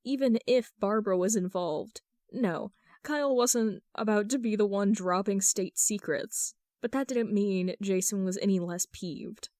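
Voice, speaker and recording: A woman's voice: medium pitch, a little mellow, no echo. Woman reading fan fiction, dry close sound. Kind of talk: scripted narration, amateur audiobook reading of texts and story.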